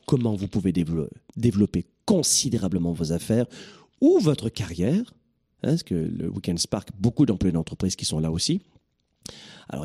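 Husky, animated motivational speaker man. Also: fairly low pitch. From southern France. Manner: energetic, joking, teasing the listener. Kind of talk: motivational talk to an audience.

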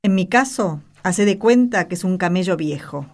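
A woman's voice: on the low side, animated, normal speed. An Argentine woman playing a modest disciple who reminisces about her teacher in an amateur radio play. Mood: modest, reminiscing. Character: modest female disciple fondly recalling her master's teachings.

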